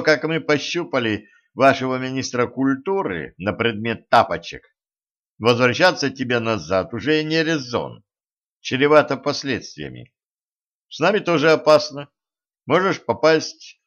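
A man's voice: mid-range voice, lively intonation, unhurried, fairly bright tone. A man voicing a cocky, sarcastic young male trainee who talks with confidence, in a slightly muffled audiobook recording. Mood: confident. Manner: confident, mocking.

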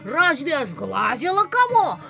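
Super high shrill village busybody woman, indignant, scolding, slow drawn out radio play style. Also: huge pitch swings, gravelly, fairly bright tone, faint music behind, heavily acted. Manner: scolding, quarrelsome. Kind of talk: audio play acting.

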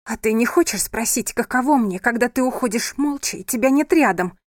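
A woman's voice: fairly quick, no echo, clean studio sound, close to an everyday voice. A woman reading aloud and voicing a defiant, tearful young wife who raises her voice and argues back. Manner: shrill, raised, pleading.

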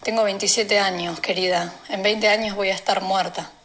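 A woman's voice: mid-range voice, steady tone, moderate pace, fairly bright tone, natural voice. Woman reading as a blunt streetwise young trans woman. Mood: blunt, fatalistic. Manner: blunt, fatalistic.

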